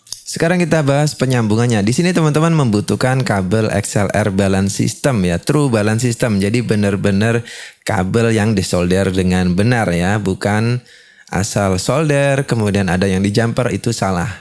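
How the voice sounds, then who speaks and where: A man's voice: fairly low pitch, normal speed, darkish tone. A man presenting a step-by-step tutorial, explaining and often adding short confirming tags. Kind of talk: step-by-step instructional demonstration.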